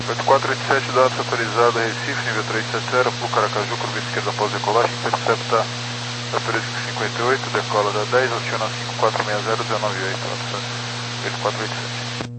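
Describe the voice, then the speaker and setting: Man, pilot over aviation radio, rapid monotone, distant noisy transmission. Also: fairly low pitch. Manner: rapid clipped readback of clearance. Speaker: airline pilot. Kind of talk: air traffic radio exchange.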